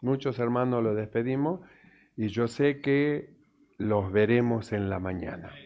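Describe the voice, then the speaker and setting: A man with an ordinary speaking voice, medium pitch, ordinary pitch variation and a fairly slow pace. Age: 60s. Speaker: pastor. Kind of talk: sermon.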